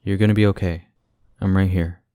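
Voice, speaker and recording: A man's voice: deep voice, steady tone, a little fast, dark tone, smooth, no echo, clean studio sound, lightly acted. A young man playing a devoted, panicky boyfriend with casual, sarcastic asides in an audio roleplay. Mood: alarmed, protective. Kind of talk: ASMR audio roleplay acting.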